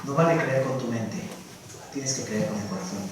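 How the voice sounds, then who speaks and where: A man preaching a Sunday sermon in a lively way, dropping to soft asides and rising to loud calls, acting out quotes. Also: mid-range voice, normal speed, background noise. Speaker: pastor. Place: church hall. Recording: echoey church room from far off.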